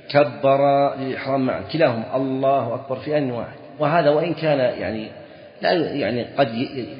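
A man teaching a legal text, reading each line, then explaining it and repeating key phrases as he asks and answers his own questions. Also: medium pitch. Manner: asks the students questions and answers them himself. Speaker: Islamic scholar teaching a fiqh text. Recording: echoey hall recording, dull lo-fi sound.

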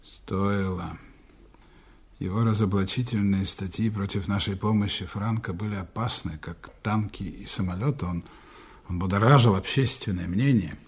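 An actor playing a smooth, authoritative German agent giving orders to his team in a radio play, speaking in calm, clipped tones. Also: lowish voice, normal speed. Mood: commanding. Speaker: intelligence operative commanding a team.

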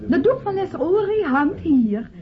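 A woman's voice: very high-pitched, very animated, measured pace, exaggerated voice. An actress playing an affected, well-off society woman in a Dutch radio play, chatty, defensive and fluttery. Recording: dull old radio recording, party chatter behind.

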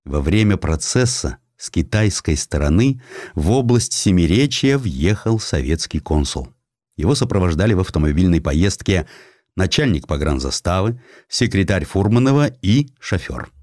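A man narrates a historical essay as an audiobook. His voice sits low, and his delivery is measured and grave, like serious dramatic storytelling. The sound is dry, with very little room in it. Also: big pitch swings, a little mellow, no echo.

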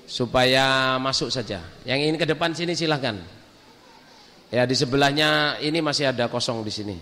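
A man's voice: mid-range voice, normal speed, bright, forceful tone. A man preaching to a congregation, telling a story and acting out the quotes, sometimes mixing in English. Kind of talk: sermon. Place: mosque or prayer hall with a congregation. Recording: hall reverb.

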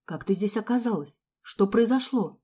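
Woman voicing a calm, caring young man. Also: mid-range voice, moderate pace, husky. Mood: concerned, firm.

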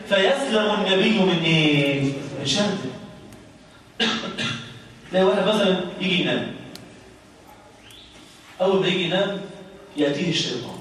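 A man with an Egyptian accent and a high voice preaches in a mosque, asking rhetorical questions and answering them in plain everyday speech. He is picked up from some distance away, and the hall wraps his voice in a long, booming reverb. A faint hum of the room stays underneath. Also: fairly bright tone. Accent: Egyptian Arabic. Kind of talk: mosque sermon. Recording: echoey mosque hall from far off.

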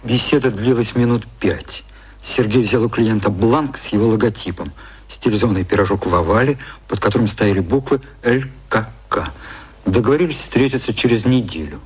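An actor narrating a satirical radio play as a composed, dry storyteller reading literary prose. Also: male voice, lowish voice, moderate pace, breathy edge. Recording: music under the narration.

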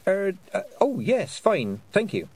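A man doing a calm, thoughtful young witch girl. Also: high-pitched, unhurried, slightly rough, pitched above the performer's own voice, full character voice.

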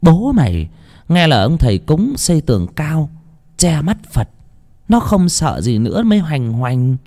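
A man doing an older village spirit medium in a spoken ghost story, explaining things in a slow, soothing, matter-of-fact way. The voice sits a little raised and dark-toned, with a lilting, moving pitch. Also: very animated. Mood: calm, knowing.

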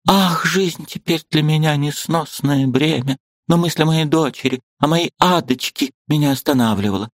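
A man voicing a remorseful young wife who begs her husband's forgiveness in a high, tearful falsetto. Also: normal speed, few pauses, no echo, studio quality, close to an everyday voice. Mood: despairing. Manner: high pleading falsetto, sobbing lament.

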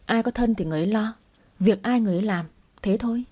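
Giọng nữ đọc bà mẹ chồng điềm tĩnh, cứng rắn. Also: female voice, mid-range voice, quick pace, lightly acted. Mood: calm firm. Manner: calm, blunt, firm. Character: older mother-in-law, calm but firm.

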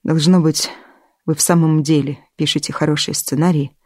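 A woman voicing a man who speaks in a low, preachy, edifying tone. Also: steady tone, normal speed, darkish tone, no echo, clean studio sound.

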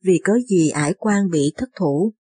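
A woman's voice: on the low side, moderate pace, dark tone, breathy edge, dry recording. A woman narrator voicing a defeated middle-aged male marshal in a grave, resigned way. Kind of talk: scripted narration of a historical novel.

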